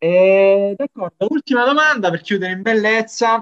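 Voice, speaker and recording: With ordinary pitch variation and a moderate pace, a man speaks over a quiet background. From Italy. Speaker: podcast host. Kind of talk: casual chat. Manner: hesitant, repeats words.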